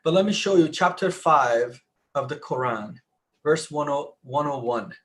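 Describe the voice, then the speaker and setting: Man telling a story in halting restarts. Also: fairly high pitch, lively intonation, fairly bright tone, a little hiss or hum. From Iran. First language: Persian. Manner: halting, many restarts, rising emphasis. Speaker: panelist. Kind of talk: live online discussion.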